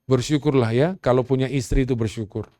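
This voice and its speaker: A middle-aged man preaching a sermon as pastor, moving from quiet storytelling to loud, rousing exhortation and calling on the congregation to respond. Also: mid-range voice, fairly even intonation, fast, no room sound, clean studio sound.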